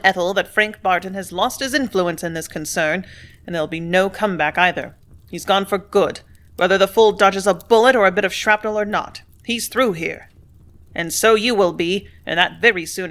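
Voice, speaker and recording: Bullying loud factory boss guy, red-faced and snapping, read by a woman. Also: mid-range voice, natural voice. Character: brusque blustering male factory superintendent.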